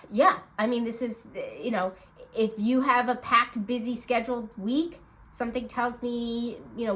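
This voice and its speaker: A woman doing a casual card reading chat, with a stuffed-up nasal voice. She is bubbly and chatty, uses lots of fillers, and has bursts of excitement. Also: on the high side, rough recording. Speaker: intuitive card reader.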